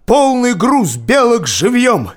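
An actor playing an excitable, dutiful young ship's first mate, calling out his lines in a loud, drawn-out, theatrical way. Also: extremely high pitch, exaggerated voice. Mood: eager, dutiful. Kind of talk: audio play acting.

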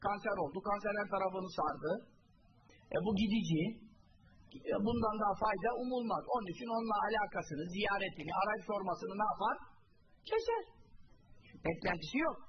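Male preacher with a high voice, quotes and translates Arabic, muffled hissy archive tape. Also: animated, a little fast, pauses often. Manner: asks rhetorical questions and answers them himself; quotes Arabic phrases and translates each one. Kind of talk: religious talk to a congregation.

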